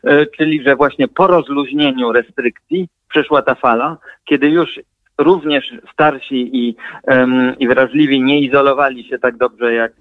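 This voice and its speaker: A man's voice: medium pitch, steady tone, measured pace, dry recording. Hesitant man on a tinny phone line. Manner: hesitant, many fillers and restarts. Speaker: guest mathematician and analyst. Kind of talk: radio interview over the phone.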